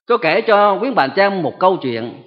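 A man preaching a sermon slowly and emphatically, often turning to address his listeners, in a church hall on a dull, echoey recording. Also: high-pitched, big pitch swings.

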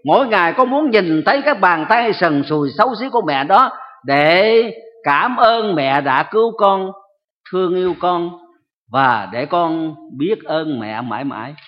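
A little child begs its mother in emotional cries, acted by a man preaching. The voice sits high and moves slowly. A long hall reverb and a muffled, lo-fi sound surround it. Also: animated. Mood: pleading. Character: small child pleading with its mother. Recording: echoey hall, dull lo-fi sound.

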